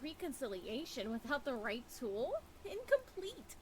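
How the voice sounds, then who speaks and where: A woman's voice: high-pitched, big pitch swings, unhurried, a crowd in the background. A woman acting out a troubled, suspicious wife from a horror visual novel, with theatrical delivery. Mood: uneasy, determined. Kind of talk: reading visual novel dialogue dramatically.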